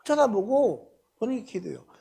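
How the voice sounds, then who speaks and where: Husky older pastor. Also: male voice, high voice, big pitch swings, normal speed. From Korea. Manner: colloquial, swings between loud emphasis and soft asides. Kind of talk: sermon. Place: church prayer meeting.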